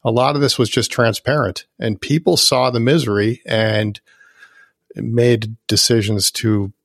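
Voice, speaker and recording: A man with a gravelly, fry-heavy voice, recorded dry and close. He hosts the interview, asking long, wandering questions and thinking out loud as he goes. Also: mid-range voice, fairly even intonation, unhurried, dry recording. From United States. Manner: rambling, thinking aloud. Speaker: interviewer host.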